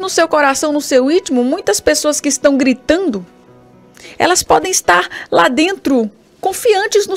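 A woman in her thirties with a Brazilian Portuguese accent and a high voice preaches on morning radio. Her delivery is fervent and exhorting, aimed straight at the listener, and a soft music bed plays under her. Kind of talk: radio sermon.

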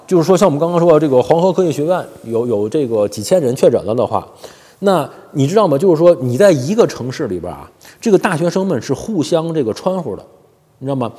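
A man hosting a casual commentary monologue, joking, laughing often and stumbling over repeated words, on a lapel mic. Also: fairly high pitch. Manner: animated and joking, frequent laughter and stammered repeats. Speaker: commentary channel host. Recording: long hall reverb.

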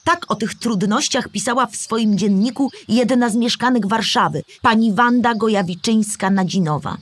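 A woman playing a knowledgeable storyteller character, narrating history in a measured, explanatory way with a husky voice. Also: on the high side, lightly acted. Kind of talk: scripted educational narration.

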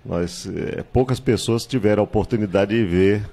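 A man, a candidate recounting his life in a studio interview, measured and reminiscing, with hesitations and tag questions, on a handheld mic. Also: lowish voice, creaky, dark tone. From Salvador, Bahia, Brazil. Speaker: political candidate, guest. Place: small TV studio with virtual set.

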